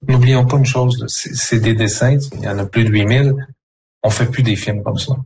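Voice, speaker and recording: A man's voice: medium pitch, fairly even intonation, moderate pace, darkish tone, poor audio. A man with a Quebec French accent speaking reflectively in an interview clip, circling around his ideas and often adding "tu sais". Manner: reflective, rambling, repeats "tu sais". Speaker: artist interviewed.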